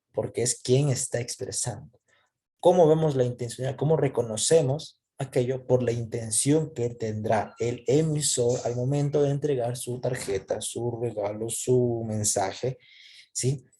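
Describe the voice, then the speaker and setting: A male teacher with a mellow, creaky voice at a middling pitch talks through a lesson. He is didactic, asks questions that he then answers, and often checks in with short tags. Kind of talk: explanatory lesson, asking and answering own questions.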